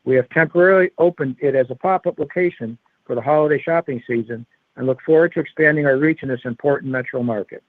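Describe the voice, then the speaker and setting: A man's voice: medium pitch, quick pace, no room sound. A male company executive reading prepared earnings call remarks in a formal, scripted corporate manner. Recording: narrow-band phone conference line.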